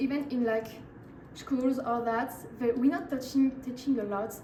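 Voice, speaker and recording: A woman speaks with a French accent, high in pitch and with fairly even intonation. Audible room echo and noticeable background noise are present. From France. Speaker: exchange student interviewee. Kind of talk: documentary interview. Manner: hesitant, many fillers.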